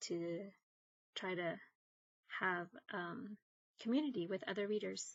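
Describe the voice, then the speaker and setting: Speaking fairly slowly, a woman talks with a Spanish accent. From Mexico, brought to the US as a child. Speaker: book vlogger. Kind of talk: casual monologue vlog. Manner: hesitant, many fillers.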